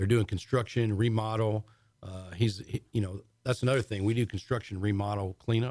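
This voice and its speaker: Spoken in a normal speaking voice with an American accent, the delivery is fairly quick with fairly even intonation, on a very clean recording with a silent background. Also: man, fairly low pitch for a man. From Michigan, US Midwest. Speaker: business owner. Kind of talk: radio interview. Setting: studio.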